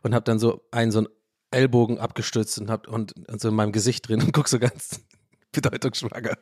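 A man hosting a podcast, talking in a rambling, animated way, often interrupting himself and laughing. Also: lowish voice, a little fast, dry recording, clean studio sound. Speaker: podcast host. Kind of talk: casual podcast monologue.

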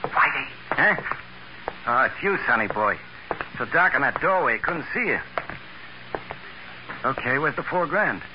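An actor playing a shifty, slangy little blackmailer, menacing and tough, in a 1940s radio crime drama. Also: male voice, medium pitch, animated, a little slow, long pauses, background noise, lightly acted. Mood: wary, alarmed. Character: shifty-eyed little crook, menacing small-time blackmailer. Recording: dull 1940s radio recording.

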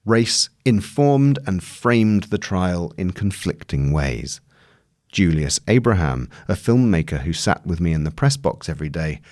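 Very deep-voiced man narrating. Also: darkish tone, no room sound, clean studio sound. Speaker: narrator reading a long-form news article. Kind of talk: scripted narration, audio long read.

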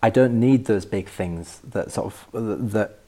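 A man speaking as a podcast guest in reflective personal conversation, thoughtful and halting as he searches for words. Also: lowish voice, dark tone. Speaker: podcast guest discussing a favourite poem.

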